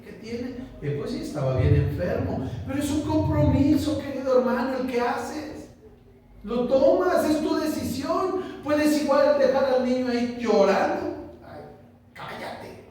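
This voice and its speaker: A pastor preaching a conversational sermon, asking the congregation questions and joking with them. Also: male voice, extremely high pitch, darkish tone. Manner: chatty, asks the congregation questions, jokes. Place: small church. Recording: echoey church room, distant mic, faint noise.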